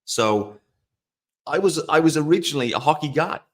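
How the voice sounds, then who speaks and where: A man's voice: on the high side, animated, moderate pace. A man in his forties from South Wales with a Welsh accent, talking casually and at length as a podcast host, rambling and poking fun at himself. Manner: rambling, conversational, self-deprecating. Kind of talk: casual solo podcast talk.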